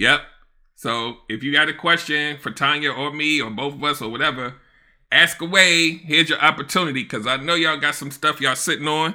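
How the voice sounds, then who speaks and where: With an American accent and a normal speaking voice, a man talks at a fairly quick pace, his pitch fairly high and its variation ordinary. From Washington DC area. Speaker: podcast host, relationship coach. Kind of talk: casual chat. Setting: live online broadcast.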